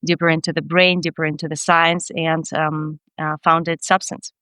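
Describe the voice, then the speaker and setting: A Ukrainian woman with a Ukrainian accent talks earnestly about her work as a company founder, restarting her phrases often. Her voice sits fairly low and sounds smooth and clear. The recording is dry and close, with no room sound. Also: little pitch movement, moderate pace, bright, forceful tone, no room sound. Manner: earnest, dreamy, many restarts, light non-native grammar. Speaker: startup CEO guest. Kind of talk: casual podcast interview.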